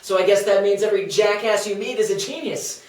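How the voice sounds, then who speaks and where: In a comedic table read, a man voices a brash, scornful Athenian skeptic, dripping with theatrical sarcasm. His high voice moves fairly quickly with a darkish tone and light acting. Picked up from a distance in a small indoor meeting room, the sound is roomy.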